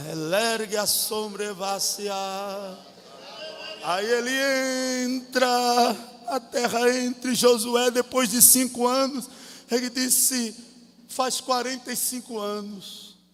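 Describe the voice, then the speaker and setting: A man speaks at a very slow pace with an extremely high pitch and fairly even intonation. Noticeable background noise and audible room echo fill the recording. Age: 50s. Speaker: missionary pastor. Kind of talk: sermon. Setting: church service.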